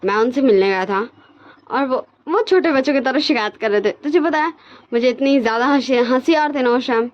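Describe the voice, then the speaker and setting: Fretful young male student, older brother, talkative, read by a woman, slightly high voice, muffled lo-fi sound. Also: a little fast, lightly acted. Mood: worried.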